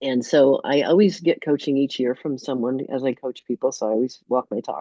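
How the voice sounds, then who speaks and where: A woman speaks with an American accent in a very deep, low voice. Her pitch varies in an ordinary way. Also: fairly quick pace. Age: 60s. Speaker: leadership coach. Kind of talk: interview conversation. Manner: halting.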